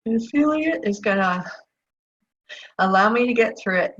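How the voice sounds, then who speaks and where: A breathy woman with a mid-range voice comes through on dull, muffled audio. She echoes affirmations softly and talks hesitantly about how she feels, with pauses and fillers. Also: fairly high pitch, lively intonation. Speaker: client in a tapping session. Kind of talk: repeating affirmations, then describing feelings.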